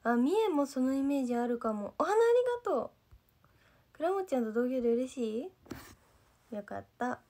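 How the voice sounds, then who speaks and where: Young woman, slightly high voice, light Gifu accent, rambling livestream chat to fans, lots of fillers. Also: animated, normal speed, long pauses, a little mellow. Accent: mostly standard Japanese with a light Gifu dialect. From Gifu, Japan. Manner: chatty and rambling, loses her thread, fills with "nanka". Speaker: idol trainee livestreaming to fans. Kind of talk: casual livestream chat reading viewer comments.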